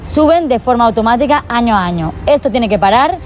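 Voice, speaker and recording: A woman's voice: on the high side, expressive, fairly quick, soft background music. A woman spokesperson making a firm public statement. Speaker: union spokesperson.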